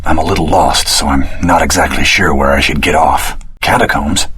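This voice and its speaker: An actor playing an earnest, determined young swordsman hero in a video game, with a husky voice and a wry, dramatic delivery. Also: a bass voice, normal speed, bright, forceful tone, heavily acted. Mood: dry, wry. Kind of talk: dramatic action-game character dialogue.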